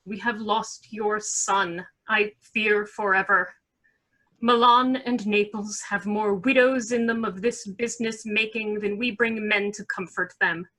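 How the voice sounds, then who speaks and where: A woman playing a mocking, sharp-tongued scheming lord in a Shakespeare radio play, with a dry sarcastic delivery. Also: mid-range voice, fairly even intonation, measured pace, poor audio. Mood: accusing.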